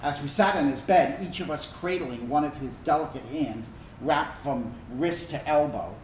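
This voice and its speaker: A man acting in a staged reading as a reflective, wounded but tender gay son of a military family, telling a personal story earnestly and haltingly. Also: a little high, lightly acted. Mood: somber. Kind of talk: dramatic monologue reading of a personal narrative. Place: indoor room, staged reading. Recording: echoey room, distant mic, background noise.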